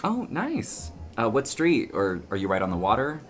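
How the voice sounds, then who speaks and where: A man's voice: medium pitch, huge pitch swings, normal speed, soft background music. A man playing a friendly, bashful coffee maker in casual audio drama dialogue, chatty and a bit awkward.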